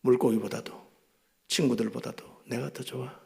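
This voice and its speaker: Revival preacher, male, Gyeongsang accent, gravelly voice, storytelling sermon with loud and hushed swings. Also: medium pitch, fairly even intonation, normal speed. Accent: Gyeongsang Korean. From Gyeongsang, South Korea.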